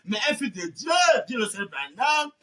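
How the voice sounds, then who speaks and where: A man preaching a fervent sermon, often shouting and repeating refrains between phrases. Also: sits high, big pitch swings, normal speed, far from the mic. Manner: shouting, repeating "eh ben" and "amen".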